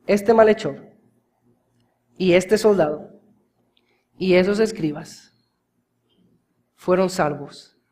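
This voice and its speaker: A man preaching a sermon as pastor, talking straight to his congregation and swinging from hushed, slow words to loud, urgent emphasis. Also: a little high. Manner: addresses the congregation directly as brothers.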